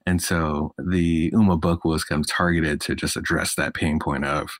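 East Coast US man, deep voice, dry close sound, smooth product pitch. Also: fairly even intonation, normal speed, no room sound. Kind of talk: business interview.

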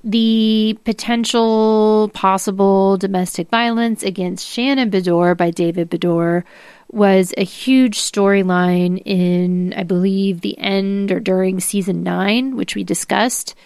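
A woman's voice: medium pitch, fairly even intonation, slow pace, darkish tone, clean tone, no echo. Woman, podcast co-host, mid-range voice, reading documents and commenting, close dry recording.

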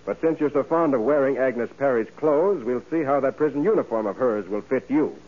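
An actor playing a shrewd, confident private detective, speaking in assured, clipped deductions in 1940s radio crime drama style. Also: male voice, medium pitch, brisk, natural voice. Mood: stern, probing. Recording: muffled, noisy 1940s radio recording.

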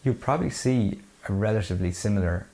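Deep-voiced west of Ireland man, slightly gravelly. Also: quick pace, warm tone. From County Mayo, west of Ireland. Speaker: architect, interview guest. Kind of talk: conversational explanation.

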